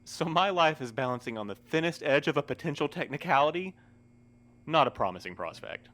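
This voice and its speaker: An actor in an audio drama playing a weary postmaster who speaks formally with dry, sardonic wit. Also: male voice, fairly high pitch, lively intonation, fairly quick, fairly bright tone. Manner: formal wordy phrasing, dryly sardonic.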